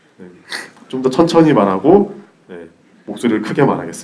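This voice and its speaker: A man speaks at a medium pitch with very wide pitch swings. Room echo is audible. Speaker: technical artist presenting a game engine tutorial. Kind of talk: tutorial. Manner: fast; soft-spoken.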